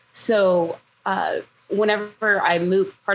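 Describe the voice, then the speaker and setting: A woman with an American accent. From Texas, Houston. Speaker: true crime podcaster, surgical tech. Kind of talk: casual interview chat.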